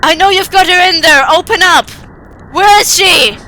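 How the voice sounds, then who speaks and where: A woman voicing a desperate middle-aged male doctor who shouts and begs to be let in. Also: very high voice, moderate pace, a little hiss or hum, pitched above the performer's own voice. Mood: raging. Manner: pleading, shouting in rage.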